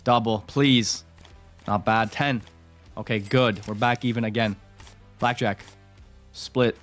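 A man's voice: mid-range voice, steady tone, slow pace, fairly bright tone. A man in a mid-range voice gives loose running commentary on his casino play, swearing and talking straight to his viewers. Faint music plays underneath. His tone stays casual and unpolished throughout. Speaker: gambling streamer. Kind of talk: casual commentary while playing.

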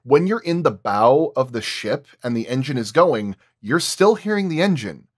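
A man's voice: mid-range voice, lively intonation, moderate pace, no room sound, clean studio sound. A man working as a sound designer explains his craft in detail in a roundtable discussion.

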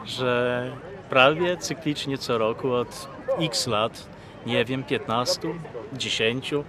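A man in his fifties talking casually in an outdoor interview, relaxed and chatty with fillers. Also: medium pitch, slow. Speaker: band member interviewed. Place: outdoors by a lake. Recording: crowd noise behind.

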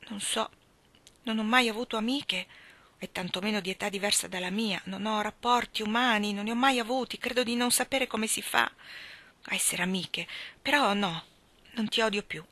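A woman's voice: medium pitch, normal speed, sharp tone, no room sound. A woman reading aloud, voicing a bitter, lonely young woman who speaks in anguished outbursts. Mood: hesitant. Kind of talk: audiobook character reading.

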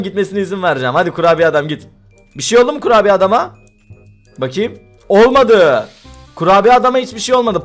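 A young man with a high voice hosts a gaming video, laughing often as he gives excited commentary and calls out to his friends.

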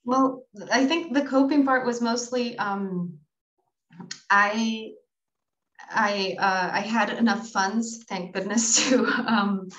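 A woman's voice: on the high side, slow, fairly bright tone. A young woman researcher answering questions on a video call, thoughtful and hedging with fillers. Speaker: presenting researcher. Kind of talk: academic Q&A answer. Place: small plain room, indoors. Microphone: laptop mic on video call. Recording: roomy, dull video-call audio.

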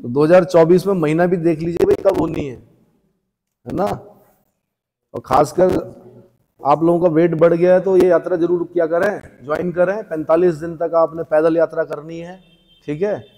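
Male teacher, Uttarakhand Hindi accent, slightly high, mellow voice, exam revision, asks and answers his own questions, long room reverb. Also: fairly even intonation. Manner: asks the class a question, then answers it himself; repeats key terms slowly for memorizing. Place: classroom or coaching room.

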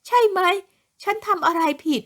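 A woman voicing a spoiled, haughty young woman who yells and protests being arrested, in a shrill, indignant tone. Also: drawn-out words. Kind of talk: audiobook character voice.

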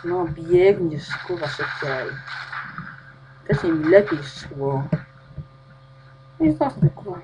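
A woman's voice: low voice, big pitch swings, slow, long pauses, noisy background. A woman playing a video game, talking to herself and swearing constantly as she gets lost and frustrated. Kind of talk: swearing gameplay commentary.

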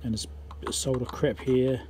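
A man's voice: medium pitch, little pitch movement, brisk, a little mellow, a little hiss or hum. A man giving casual commentary as he repairs electronics, thinking aloud as he works at a workbench. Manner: muttering, thinking aloud while working.

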